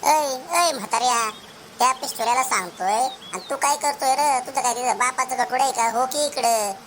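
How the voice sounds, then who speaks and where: A woman playing a sharp-tongued, scolding village grandmother in a comedy cartoon. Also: on the high side, fairly quick, slight background noise, natural voice. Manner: scolding, insulting, rustic. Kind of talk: Marathi comedy cartoon dialogue.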